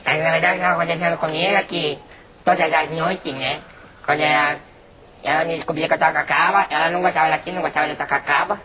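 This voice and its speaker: A man voicing a rambling caretaker witness whose voice is disguised deeper, like a hidden TV witness. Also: steady tone, pushed and bright, dull audio, slight background noise. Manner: rambling, rushed. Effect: disguised deep voice, hidden like a TV witness.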